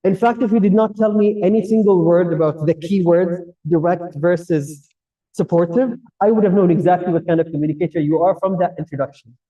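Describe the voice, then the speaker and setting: Speaking a little fast with a steady tone, this man carries a Kuwaiti Arabic accent and a very dark, soft-edged voice that sits fairly high. As general evaluator at a public speaking club, he addresses the audience directly with semi-formal feedback in English influenced by his native Arabic. A distant mic leaves the sound dull and muffled.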